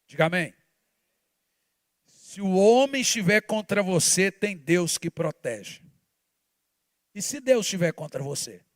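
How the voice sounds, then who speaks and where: A man, preaching a sermon as pastor, shifting between forceful shouts and hushed asides. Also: high voice, expressive, measured pace, pauses often, no room sound, clean studio sound.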